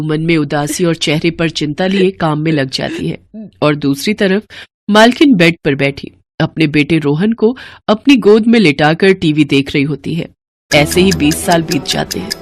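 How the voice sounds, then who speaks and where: A woman's voice: low voice, very animated, normal speed, faint music behind. A woman storyteller reading a scripted tale as narrator.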